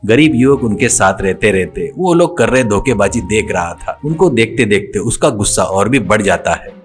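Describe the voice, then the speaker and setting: A man narrating a cartoon folk tale in a steady, plain storytelling voice. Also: on the low side, normal speed, soft background music.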